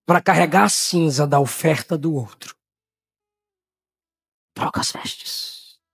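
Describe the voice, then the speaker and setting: A man from Brazil preaching a Pentecostal sermon, shouting in high bursts and then dropping to low, quiet tones. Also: takes it slowly, gravelly, slightly rough, no room sound, clean studio sound, faint music behind.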